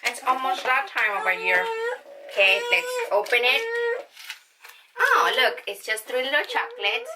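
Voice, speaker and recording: A woman reviewing products in a chatty vlog, with excited exclamations. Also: on the high side, unhurried, pauses often, background noise. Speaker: unboxing vlogger.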